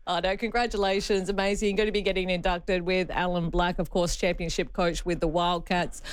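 Clear-voiced woman radio host. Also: lowish voice, flat delivery, a little fast. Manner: friendly, prompting questions. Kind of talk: radio interview.

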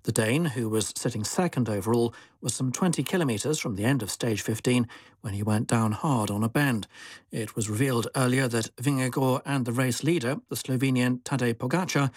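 A male newsreader reading a scripted world news bulletin in a measured, formal way. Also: mid-range voice, breathy edge, no echo. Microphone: studio microphone.

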